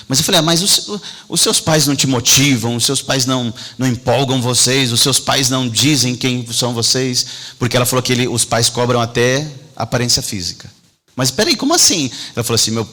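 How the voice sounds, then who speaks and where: A man from Brazil preaching a sermon with lively emphasis, rising high for stress and dropping to a hush. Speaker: pastor. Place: church hall. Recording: hall reverb in a church.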